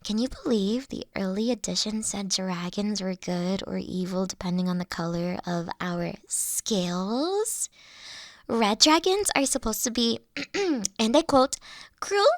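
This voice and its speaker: A woman playing a big, shy, nerdy young dragon student in an intimate audio roleplay, earnest and halting. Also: medium pitch, lively intonation, dry recording. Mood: bashful, geeky. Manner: bashful, earnest, halting, giggly. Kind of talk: intimate one-sided character audio roleplay.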